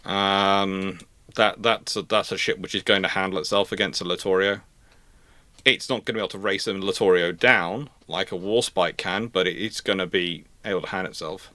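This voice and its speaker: A man's voice: low voice, fairly even intonation, normal speed, bright, forceful tone, no echo. A man talking casually as host of a live history discussion, rambling and often restarting his phrases. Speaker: host answering naval history questions.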